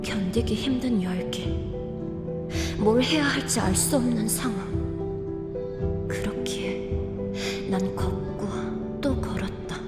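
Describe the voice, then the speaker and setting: A woman's voice: fairly high pitch, takes it slowly, pauses often. A woman playing a frightened, lonely orphan boy in an audio drama, plaintive and emotional. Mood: sorrowful narration. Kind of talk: audio drama acting and first-person narration. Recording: reverberant, echoey, music behind.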